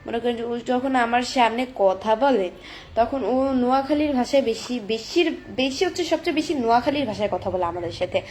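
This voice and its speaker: A woman's voice: on the high side, moderate pace, darkish tone, slight background noise. A teenage girl with a Chandpur Bengali accent chatting on a live stream, reading viewer comments aloud and answering them on her phone. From Bangladesh. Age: teens.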